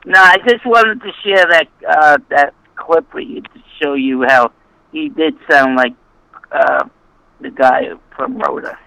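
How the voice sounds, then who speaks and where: An older man calling in to a sports talk show over the phone, rambling and trailing off mid-sentence in a high-pitched voice. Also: measured pace, gravelly, bright, forceful tone, clear, resonant tone, poor audio. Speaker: caller. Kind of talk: casual call-in chat.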